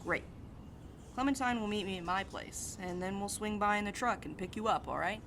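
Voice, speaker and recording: A woman's voice: medium pitch, fairly quick, background noise, natural voice. A woman playing a blunt, bantering mail carrier who is bad with feelings, in an audio drama. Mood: breezy, teasing. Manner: blunt, casual, teasing. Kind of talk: naturalistic audio drama dialogue.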